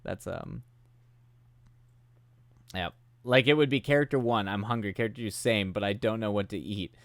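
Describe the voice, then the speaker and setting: A low-pitched man talks loosely to his live chat, rambling and poking fun at himself with frequent laughs. He's getting sick and his voice is beginning to wear out. The sound is close and dry, with no room around it. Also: moderate pace, fairly bright tone, no echo. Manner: rambling, self-deprecating, laughs often. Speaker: streamer hosting writing sprints.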